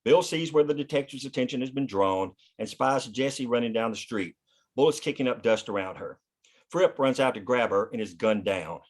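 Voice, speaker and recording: A man's voice: mid-range voice, moderate pace. A man narrating scripted action and scene headings at a screenplay table read. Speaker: narrator reading stage directions.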